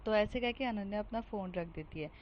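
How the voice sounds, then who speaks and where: A woman telling a love story casually, in a conversational way with pauses and fillers. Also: mid-range voice. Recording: dull recording with faint hiss.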